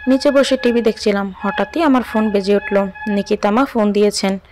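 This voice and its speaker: A woman's voice: mid-range voice, steady tone, normal speed, darkish tone, slight background noise. A young woman narrating a scripted first-person audio story expressively.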